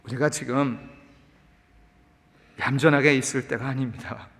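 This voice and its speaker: A male pastor preaching a sermon in an animated way, dropping English words into his talk. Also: medium pitch, measured pace, vocal fry, long reverb tail. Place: church sanctuary.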